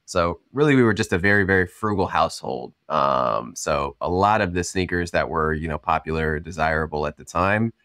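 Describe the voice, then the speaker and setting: A man born in Cameroon, a startup founder, talking through his story in a relaxed, chatty way with lots of ums and you-knows. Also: low voice, moderate pace, hardly any pauses, clean tone, no room sound, clean studio sound. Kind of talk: casual storytelling interview.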